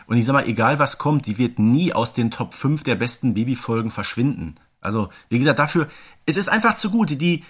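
A man's voice: medium pitch, expressive, a little fast, slightly rough. A man co-hosting a podcast, chatting informally about an audio drama series. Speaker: podcast co-host.

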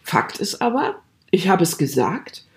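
A woman co-hosting a casual podcast chat, lively and teasing, who interrupts and acts out examples. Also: on the low side, a little slow. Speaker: co-host.

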